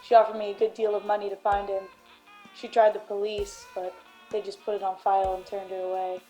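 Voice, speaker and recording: A brooding, self-important private eye played by a woman narrates a noir radio drama in deadpan style. The voice is soft-edged and stays on a narrow, level line, with light music behind it. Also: medium pitch, fairly quick, close to an everyday voice. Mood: brooding, self-assured. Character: hard-boiled, self-important private detective, former cop.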